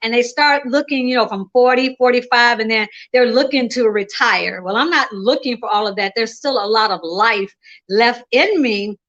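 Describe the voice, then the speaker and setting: Woman in her sixties, a bit high-pitched, confident and emphatic, dull recording. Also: moderate pace, fairly bright tone. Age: 60s. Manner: bold, upbeat, emphatic. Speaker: women's confidence coach, guest. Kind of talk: casual interview chat.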